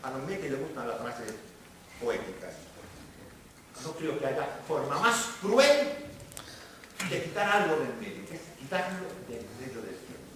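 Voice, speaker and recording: Echoey, animated man lecturing. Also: mid-range voice, a little slow, pauses often. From Spain. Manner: rhetorical questions answered himself, theatrical emphasis. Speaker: history professor, guest speaker. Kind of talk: academic lecture delivered to a live audience. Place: indoor seminar hall. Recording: echoey room, distant mic, noisy background.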